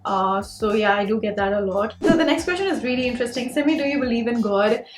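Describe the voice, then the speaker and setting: A woman's voice: fairly high pitch, fast talker. A young woman with an Indian Punjabi accent chatting casually and candidly as a beauty vlogger answering questions. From Mumbai, India. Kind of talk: casual chatty Q&A while doing makeup. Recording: roomy echo, music behind.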